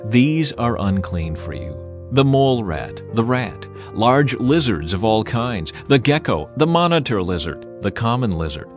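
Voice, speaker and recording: Man, mid-pitched voice, solemn scripture narration, measured and deliberate delivery, prominent music behind.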